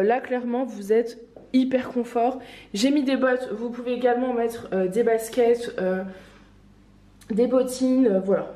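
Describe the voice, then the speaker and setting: Woman, bit stuffy from a cold, rambly chatty shop vlog, slightly high voice, echoey room. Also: mellow. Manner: chatty, many fillers and restarts, light laughs. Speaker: online clothing shop owner. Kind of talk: casual fashion try-on vlog.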